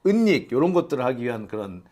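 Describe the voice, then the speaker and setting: Older man hosting a lively news chat. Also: medium pitch. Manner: questioning, quick back-and-forth remarks. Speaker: host.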